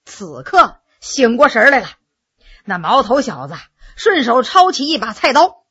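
A woman narrating a story in a lively, expressive audiobook style. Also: on the high side, a little slow, husky, dull audio.

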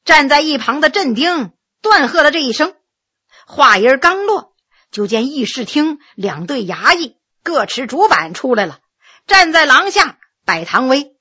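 A woman narrating a historical tale in an expressive, dramatic storytelling style. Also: high-pitched, measured pace.

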